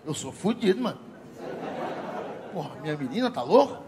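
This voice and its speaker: A middle-aged man doing a stand-up comedy routine on stage, profane and animated, talking straight to the live audience. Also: on the high side, normal speed, creaky, background noise.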